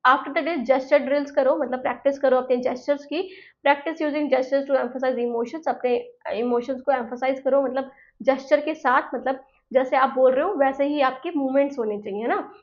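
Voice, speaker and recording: A woman's voice: high voice, dull audio. A woman teacher giving an exam-prep lecture. She explains each point in Hindi mixed with English terms and keeps checking in with "है ना".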